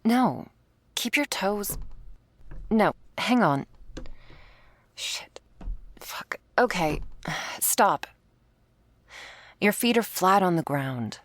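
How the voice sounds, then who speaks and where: A woman's voice: mid-range voice, lively intonation, extremely slow, long pauses. A woman performing an ASMR roleplay as a commanding, teasing werewolf hunter who instructs the listener. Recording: faint string music behind.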